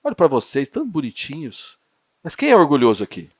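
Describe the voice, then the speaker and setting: A man's voice: on the high side, fairly quick, slightly rough, dry recording. A man with a Brazilian Portuguese accent preaching a youth sermon, acting out dialogues and rousing the crowd to call back. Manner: lively, acts out dialogues, rouses the crowd to shout.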